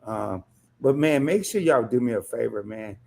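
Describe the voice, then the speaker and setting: A hoarse man who has nearly lost his voice, chatting on a livestream as a co-host and turning rousing and emphatic, repeating himself as he gets worked up. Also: medium pitch, expressive, moderate pace, a little mellow, slight background noise. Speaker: fellow credit YouTuber and co-host. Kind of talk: casual livestream chat.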